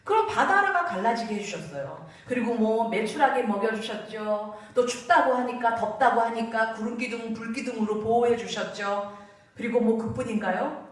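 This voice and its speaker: A woman evangelist preaching a sermon, telling the story with lively acted-out voices. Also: a little high, moderate pace. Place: church sanctuary. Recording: echoey church hall, voice from far off.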